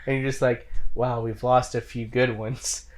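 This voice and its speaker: A casual co-host on a film discussion show with a mid-pitched voice. The delivery is animated and opinionated, leaning hard on words for emphasis in loose, chatty talk. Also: moderate pace, slight background noise. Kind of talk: casual pop-culture chat.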